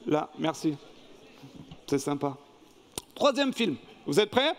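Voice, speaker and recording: A man leading a church service as pastor, running a lively film quiz and asking the congregation questions. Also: a little high, slow pace. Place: church hall. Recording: long reverb in a church hall.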